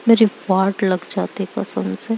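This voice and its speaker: A woman's voice: mid-range voice, level tone, takes it slowly, gravelly, warm tone, a little hiss or hum. A woman voicing an exasperated young woman caught between two girlfriends, complaining dramatically in a storybook reading.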